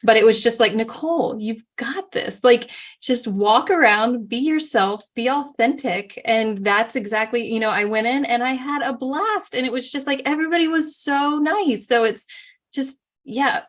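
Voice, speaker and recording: A woman's voice: fairly high pitch, moderate pace. Chatty host woman in her forties. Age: 40s. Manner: chatty, with many fillers and restarts, warmly agreeing. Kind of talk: live online talk.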